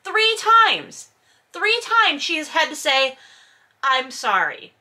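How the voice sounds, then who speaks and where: Sardonic woman with a bright, forceful voice. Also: high-pitched, big pitch swings, slow pace. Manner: sardonic, incredulous, emphatic; casual, swearing. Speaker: host reading a book aloud with commentary. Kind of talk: reading aloud with sarcastic running commentary.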